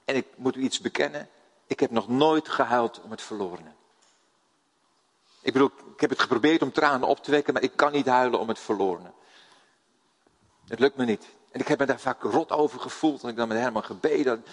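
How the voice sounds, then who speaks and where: A man's voice: mid-range voice, a little fast. An older Dutch man preaching a sermon, telling stories and putting questions to his congregation. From Netherlands. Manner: lively storytelling, asks the audience questions. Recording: long hall reverb.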